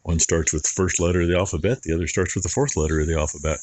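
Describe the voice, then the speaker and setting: Deep voiced farmer guy rambling folksy and plain to his phone outside. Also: steady tone, rapid-fire, a little mellow, no echo. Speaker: farmer vlogger. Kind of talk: casual rambling chat while filming around the farm. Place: outdoors on a farm near a barn.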